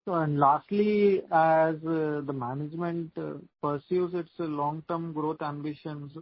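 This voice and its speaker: A man putting formal, measured investor questions on an earnings call. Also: fairly high pitch, steady tone, no room sound. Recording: dull, dry conference call line.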